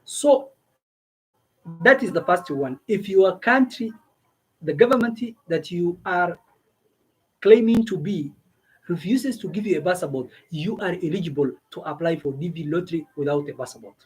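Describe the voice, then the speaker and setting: Speaking at normal speed in a high, husky, rather dark voice, a video host from East Africa offers visa advice in a relaxed talk to camera. He goes over his points again and checks in with his audience through questions, though the audio is poor.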